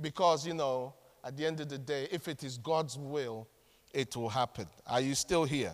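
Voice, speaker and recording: A man with a Ghanaian accent speaks in an animated tone at a fairly high pitch. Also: ordinary pitch variation, moderate pace. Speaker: pastor. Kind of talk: sermon. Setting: church; in front of a congregation.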